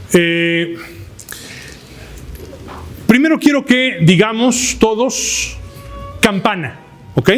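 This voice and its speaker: A man with a Mexican Spanish accent teaching an oratory workshop in a lecture hall, asking the class questions and shouting words to show his technique. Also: sits high. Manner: lively, asks the class questions, shouts demonstrations. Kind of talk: live workshop lecture to a room. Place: lecture hall with fabric ceiling.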